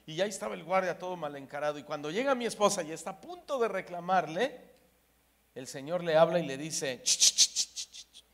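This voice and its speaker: A man from Mexico preaching a sermon, swinging between loud emphasis and hushed asides and acting out the voices in his stories. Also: on the high side, animated, fairly quick.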